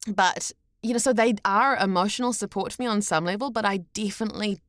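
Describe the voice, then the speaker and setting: A woman's voice: medium pitch, fast talker, no room sound, studio quality. A young adult woman with a New Zealand accent, talking candidly and expressively as a guest in a casual podcast conversation. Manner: candid, expressive, wordy with self-corrections. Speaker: guest, voice actor.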